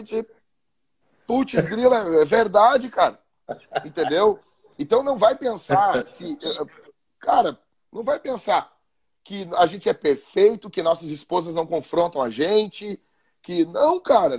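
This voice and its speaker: A man's voice: sits high, expressive, a little slow, a little mellow, husky. A male pastor, talking casually and animatedly, often repeating and restarting his words. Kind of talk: casual podcast talk about marriage.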